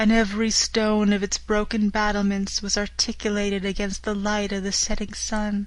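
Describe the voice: Plain reading aloud is all the clip holds.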